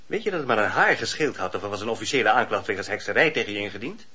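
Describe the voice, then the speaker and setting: An actor playing a stern, suspicious husband with a formal, sardonic manner in a radio play. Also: male voice, lowish voice, lively intonation, very fast, pushed and bright, slightly rough, heavily acted. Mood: angry, accusing. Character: stern, suspicious husband, dignified master of the house. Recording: dull lo-fi radio play recording.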